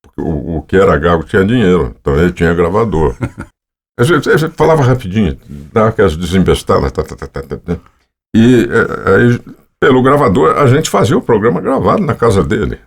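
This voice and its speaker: Older Brazilian man telling stories, lively. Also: on the low side, a little fast, vocal fry. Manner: rambling, anecdotal, with frequent fillers. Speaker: voice-over artist guest. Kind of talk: casual storytelling interview.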